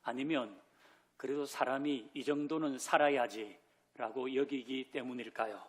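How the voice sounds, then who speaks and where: A man's voice: medium pitch, measured pace. A man preaching a Sunday sermon as pastor, who asks the congregation questions, leads them in reading scripture and drops in light joking asides. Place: church sanctuary.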